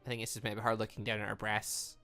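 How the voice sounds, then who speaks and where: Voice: mid-range voice, flat delivery, fast, sharp tone, soft background music. A gaming video host giving casual, chatty, jokey commentary while playing through a game and reading its dialogue aloud.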